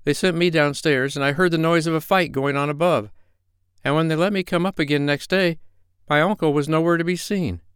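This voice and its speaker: A man's voice: fairly even intonation, fairly quick, a bit bright, smooth, no echo, studio quality, natural voice. A man doing a frightened little boy. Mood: earnest, worried. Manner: high, childlike, pleading.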